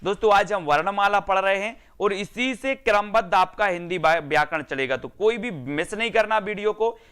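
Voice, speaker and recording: Man, exam-prep teacher, bright crisp voice, repeats answers, calls on students. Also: sits high, moderate pace. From India. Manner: repetitive, addresses students by name, answers own questions. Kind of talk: online class lesson.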